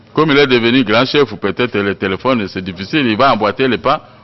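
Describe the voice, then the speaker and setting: A man speaks at a fairly quick pace. His is an ordinary speaking voice. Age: 60s. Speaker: opposition politician. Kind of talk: interview.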